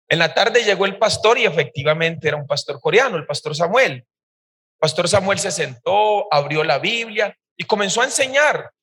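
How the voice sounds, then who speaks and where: A male pastor tells his own testimony in a sermon, in an animated, emphatic storytelling manner. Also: high voice. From Costa Rica. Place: church service hall. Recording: reverberant church hall.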